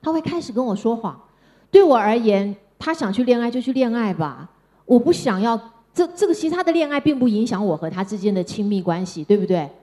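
A middle-aged woman from Taiwan, giving a personal storytelling talk in a gentle, conversational way. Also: fairly high pitch, expressive, fairly quick. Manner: gentle, conversational, with soft sentence-end particles. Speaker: speaker. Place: stage before an audience.

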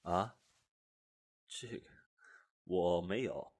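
A man playing a wary, greedy black-market broker in a radio drama, husky and hesitant. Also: deep voice, a little mellow, full character voice. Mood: guarded. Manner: hesitant, drawn-out, cagey. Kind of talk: Chinese radio drama acting.

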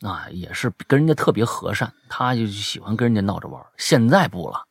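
Husky, lively male storyteller. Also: fairly low pitch, a little fast, dry recording, clean studio sound. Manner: animated, emphatic storyteller. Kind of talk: casual chat, storytelling.

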